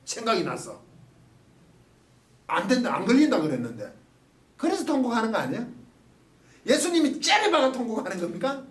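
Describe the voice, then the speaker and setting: A man giving a lively Bible study lecture, asking the class questions and acting out quotes. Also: extremely high pitch, fairly quick, long pauses. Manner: animated, asks the class questions, acts out quotes. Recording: roomy, mic at a distance.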